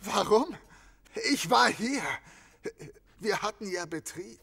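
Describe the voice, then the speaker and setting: An actor in a crime radio play voicing an agitated innkeeper grieving his murdered wife, halting, stammering and swearing bitterly. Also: high-pitched, lively intonation, gravelly, pushed and bright, husky, heavily acted. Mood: defensive, evasive. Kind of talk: dramatic audio drama acting.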